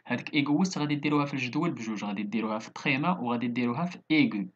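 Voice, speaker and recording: In a muffled recording, a man with a Moroccan Arabic accent teaches a recorded online lesson, working through words one at a time. His mid-range voice moves rapid-fire as he steadily explains and spells out each word in turn.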